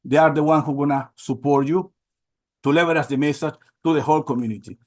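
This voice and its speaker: A man from Venezuela, presenting slides on a webinar in halting speech with many repeats and fillers. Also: on the high side, steady tone. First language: Spanish.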